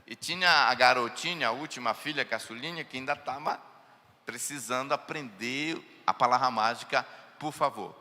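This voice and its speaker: A man preaching a sermon as pastor, animated, mimicking family members in quoted voices and putting questions to the congregation. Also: medium pitch, normal speed. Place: church hall. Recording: long echoing church hall.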